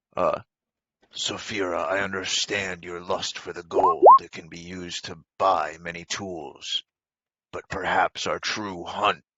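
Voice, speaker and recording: A man puts on a character voice with a very deep, low pitch. He goes at a fairly slow pace, with big swings in loudness. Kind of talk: formal fantasy speech. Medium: actual play. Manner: grave, formal.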